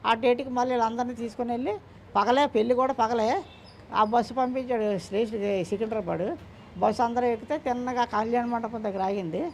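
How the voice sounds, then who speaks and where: A man's voice: extremely high pitch, fairly even intonation, brisk, darkish tone, a little hiss or hum. An older man answering interview questions about his son, speaking emphatically and often repeating himself or quoting what others said. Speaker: interviewee, the father of a man in the news.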